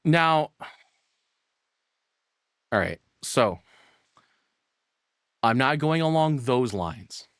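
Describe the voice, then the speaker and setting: A man's voice: medium pitch, animated, drawn-out words, pauses often, a bit bright, no echo. Casual American male streamer, rambling and self-interrupting, recorded close and dry with a mid-range voice. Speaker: streamer reacting to a video; voice actor. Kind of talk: casual livestream commentary.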